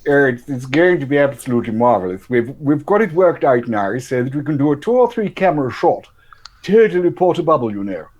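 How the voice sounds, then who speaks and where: A man's voice: mid-range voice, lively intonation, fairly quick, a little mellow, highs cut off. A man with a Sunderland Mackem accent, co-hosting a live-stream show with blunt, jokey banter. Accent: Sunderland (Mackem) English. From North East England. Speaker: co-host.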